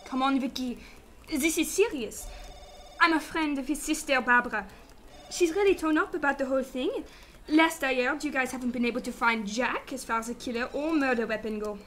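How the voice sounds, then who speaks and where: An actress playing a sassy, sarcastic young detective's assistant in a sci-fi radio drama. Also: female voice, high-pitched, brisk, a bit bright, a little hiss or hum. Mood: pleading. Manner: sarcastic, teasing.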